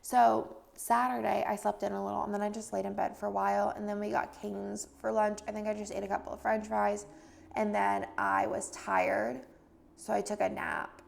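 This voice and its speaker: A woman's voice: medium pitch, moderate pace, creaky. A young woman chatting casually in a vlog voice-over, rambling with lots of fillers, a bit stuffy and congested. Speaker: planner vlogger.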